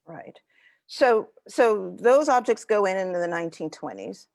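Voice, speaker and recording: A woman's voice: medium pitch, lively intonation, a little slow, gravelly, darkish tone, no echo. A woman moderating a panel discussion, asking long probing questions that stall on repeated words.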